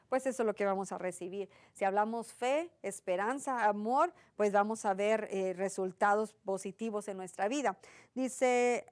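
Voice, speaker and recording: A woman giving a conversational Christian sermon, earnest, piling up repeated lists and tag questions. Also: medium pitch. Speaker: Christian teacher.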